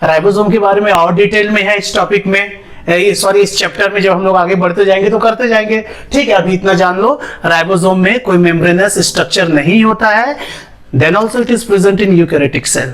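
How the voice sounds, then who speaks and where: Guy teaching biology, kinda high voice, keeps asking then answering his own questions. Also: normal speed, a bit bright. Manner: asks questions and answers them himself, mixing in English terms. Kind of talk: classroom lesson with whiteboard.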